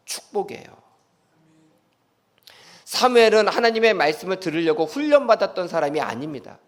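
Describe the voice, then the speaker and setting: A man preaching a sermon as pastor. He asks the congregation questions and acts out short bits of dialogue. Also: high-pitched.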